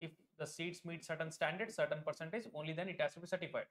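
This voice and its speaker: A young man with an Indian English accent and a fairly high voice talks his students through a live online lesson. He leans on "like" as a filler, repeats himself, and calls on viewers by name. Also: steady tone, fast talker, a bit bright. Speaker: online exam tutor. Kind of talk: live-stream lecture.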